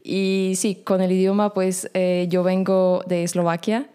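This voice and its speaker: A woman whose first language is Slovak, speaking as a podcast guest in a casual chat, pausing often with fillers. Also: lowish voice, flat delivery, dark tone, smooth. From Slovak minority in Romania. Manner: hesitant, many fillers.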